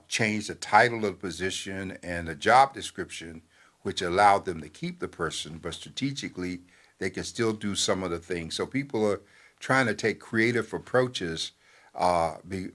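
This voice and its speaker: An older man, a newspaper editor, giving talk-show commentary in a measured, halting way with many fillers. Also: deep voice, a bit bright.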